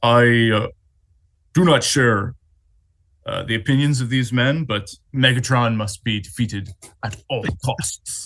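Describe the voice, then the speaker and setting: A man puts on a gruff, robotic character voice at a medium pitch, going at a fairly slow pace with long, frequent pauses. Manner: halting, with filler pauses.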